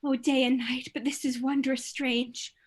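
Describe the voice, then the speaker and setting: A loyal, concerned companion to a prince played by a woman speaks in a high voice. The Shakespearean dialogue comes across earnest and deferential, as in a play reading. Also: level tone, a little slow, a little hiss or hum. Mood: deferential, amazed. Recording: remote livestream audio.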